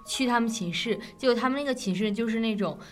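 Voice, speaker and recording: A woman's voice: a little high, fast, faint music behind. A young woman with a Northeastern Chinese accent co-hosts a late-night show, telling ghost stories in a casual, rambling, repetitive way. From Northeast China.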